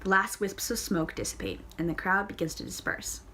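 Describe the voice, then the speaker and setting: A woman's voice: fairly low pitch, big pitch swings, brisk, bright, forceful tone, slight background noise. A woman reads a novel aloud in a casual way. She often stumbles and corrects herself, and she adds playful side comments of her own. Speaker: audiobook reader.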